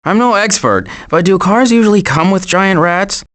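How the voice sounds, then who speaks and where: Cautious turtle worrier for an animated game: exasperated, wry, highly varied intonation. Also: male voice, normal speed. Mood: wry, fretful. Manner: fretful, wry grumbling. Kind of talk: animated video game voice acting.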